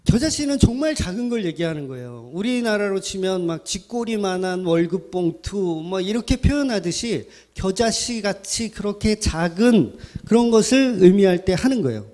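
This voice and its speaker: A man's voice: sits high, lively intonation, moderate pace, few pauses, darkish tone. A man preaching a sermon at a summer retreat as pastor, chatty and joking, asking the audience rhetorical questions.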